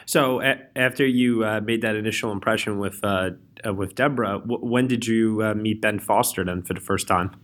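A man's voice: lowish voice, normal speed, hardly any pauses, fairly bright tone. A man interviewing an actress, asking friendly questions with frequent uhs and ums.

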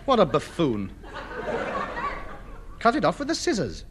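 A man's voice: a little high, huge pitch swings, measured pace, crowd noise. An actor playing a pompous, self-important man in a 1950s radio sitcom, blustering and grandiloquent. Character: pompous, self-important middle-aged man hoarding junk. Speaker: comedy lead. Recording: noisy old radio broadcast.

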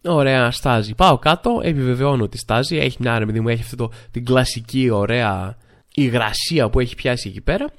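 A man hosting a podcast, telling comic stories in a chatty monologue. He talks with lots of filler phrases and mimics other people's lines. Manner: animated, acts out other people's lines with jumps in pitch. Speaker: podcast host.

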